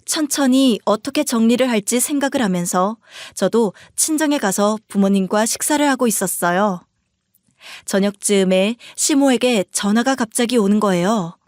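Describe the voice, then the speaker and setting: A woman telling a dramatized first-person story in a plain, steady voice. Her pitch sits somewhat high, and the recording is dry and close to the mic, with no room sound. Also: moderate pace, dry recording. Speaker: story narrator.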